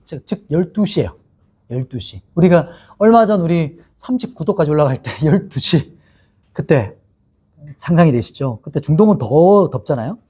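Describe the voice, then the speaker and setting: A man's voice: a little high, dark tone, husky. A male pastor teaching a Bible-study sermon in a chatty way, asking his listeners questions and laughing often.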